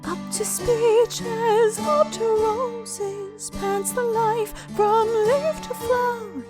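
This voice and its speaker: Woman singing poetry for an audiobook, really high and drawn out, guitar behind. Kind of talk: singing verse as audiobook performance. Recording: music under the voice.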